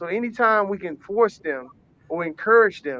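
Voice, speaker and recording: Loud and with lively intonation, a man speaks in an American accent. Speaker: health show guest. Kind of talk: panel discussion. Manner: animated.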